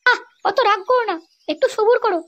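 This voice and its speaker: Squeaky, scheming cartoon wife, voiced by a woman. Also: a little fast, a bit bright, highs cut off, slight background noise. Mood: sly, coaxing. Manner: coaxing, brazen. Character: scheming, sly young wife in a comedy cartoon.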